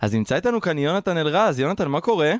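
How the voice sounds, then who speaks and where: A man hosting a casual storytelling show, brisk and playful in his banter. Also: a little high, big pitch swings, no room sound, clean studio sound. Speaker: show host.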